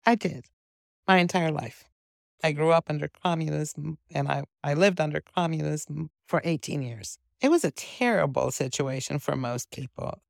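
Interview guest: woman, 50s, Romanian accent, low gravelly voice, earnest steady delivery. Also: normal speed, no echo, clean studio sound. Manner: earnest, steady storytelling with small restarts. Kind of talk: conversational interview.

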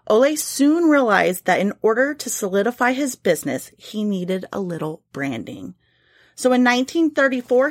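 A woman's voice: medium pitch, no echo. A woman narrates a true story for a podcast in a loose, conversational way. Her voice sits in the middle of the range and is recorded dry and close, with no room around it. She swears casually and giggles at the odd details. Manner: chatty, swears, laughs at her own story. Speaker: podcast host.

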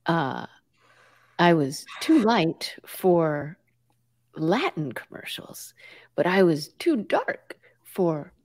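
A middle-aged woman, a guest with Puerto Rican roots, tells her stories with animation. She acts out other people's lines and drops in the odd Spanish word, and her pitch rises and falls a great deal. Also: extremely slow, long pauses. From Puerto Rico background, grew up in the US. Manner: expressive, acts out quotes, mixes in Spanish words. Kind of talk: animated conversational storytelling.

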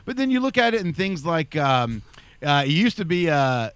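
A man's voice: fairly high pitch, big pitch swings, normal speed, a bit bright, clean tone, dry recording. A man hosting a casual podcast chat, rambling and often restarting his sentences. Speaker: podcast host.

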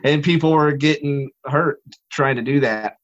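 A man's voice: a little high, unhurried, a bit bright, no room sound. A man chatting casually as a podcast co-host, his audio coming through a phone on a remote call and breaking up into a choppy, digitized buffering stutter. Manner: rambling, with many fillers. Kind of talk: casual chat. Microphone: phone audio over a remote call. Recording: dull lo-fi phone line, dry.

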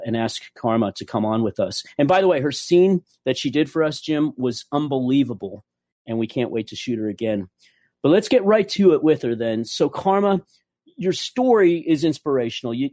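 A man's voice: fairly high pitch, darkish tone, dry recording, clean studio sound. A man speaking as a podcast host, telling stories and introducing a guest in effusive, emphatic conversational phrasing. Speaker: podcast host and adult film producer.

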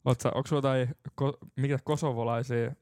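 Young male podcast co-host, teasing and rambling, gravelly, dry close mic. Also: medium pitch, little pitch movement, darkish tone, no room sound. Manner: rambling, teasing, laughs easily. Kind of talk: casual banter.

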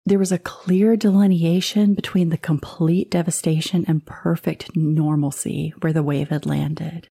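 Mellow-voiced woman telling a spooky story. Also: low-pitched, level tone, a little slow, gravelly, hardly any pauses, breathy edge. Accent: Southern US. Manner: conversational, with asides and dropped whispers. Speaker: podcast host. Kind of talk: casual storytelling narration.

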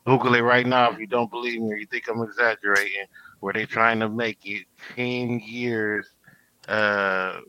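Insistent man with a forceful voice. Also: lowish voice, fairly even intonation, moderate pace, no room sound, lo-fi sound. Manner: insistent, talks over others to make a point. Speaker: podcast guest. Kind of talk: casual group chat.

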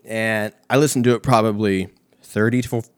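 A young American man with a fairly low voice talks in a loose, profane, slangy ramble. He tells stories like a casual comedy host, and the recording is close and dry. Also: fairly even intonation, moderate pace, clear, resonant tone, no echo. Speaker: host of a comedic talk show.

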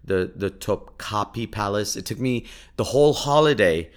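Chatty man with a low voice. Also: lively intonation, moderate pace. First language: Urdu. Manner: chatty, laughs often, many fillers and restarts. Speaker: podcast host. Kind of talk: casual travel storytelling.

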